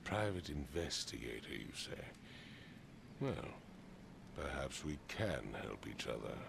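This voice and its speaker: A man's voice: sing-song, slow, very noisy, exaggerated voice. An actor playing a haughty, irritable, powerful father in a video game, speaking in an imperious, dismissive manner. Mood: wary, condescending. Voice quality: very deep, gravelly. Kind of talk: dramatic video game acting.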